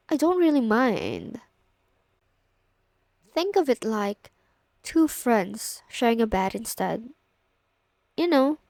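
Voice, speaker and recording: A woman's voice: fairly high pitch, darkish tone, no room sound. A young woman playing a confident, teasing older sister of a best friend in an intimate, casual ASMR roleplay spoken to the listener. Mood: playfully insistent.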